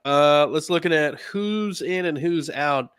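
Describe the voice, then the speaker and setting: A man's voice: fairly high pitch, a little slow, a bit bright, clear, resonant tone, dry recording, clean studio sound. A man with a Southern US accent co-hosting a casual sports podcast, reading stats with easy hesitations. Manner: laid-back, reads injury lists with hesitations. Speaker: podcast co-host.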